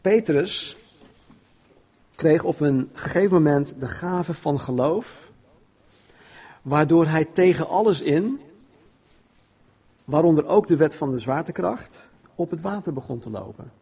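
A man's voice: fairly high pitch, animated, unhurried, pauses often, dark tone, husky. A man preaching an informal sermon and reading Bible passages aloud, often stumbling and repeating words as he talks.

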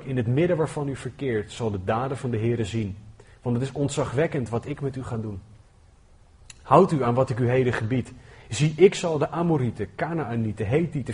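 A man delivers a sermon in an earnest, conversational way, his voice a little husky. His pitch sits in the middle, and he reads scripture aloud with growing force. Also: darkish tone. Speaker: preacher.

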